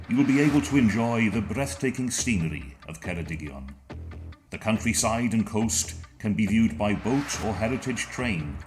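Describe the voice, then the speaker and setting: Low-voiced man narrating a promo over music.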